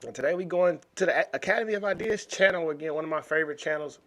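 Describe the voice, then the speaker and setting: Animated man hosting a reaction video. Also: a little high, racing. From United States. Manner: animated, repeats and restarts words. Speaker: YouTube reaction host. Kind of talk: casual commentary over a video.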